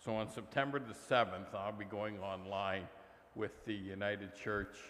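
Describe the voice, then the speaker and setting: A man talks at a fairly slow pace with a fairly low pitch. His intonation is monotone and flat, with light background noise. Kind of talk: announcement to congregation. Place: church. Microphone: lapel.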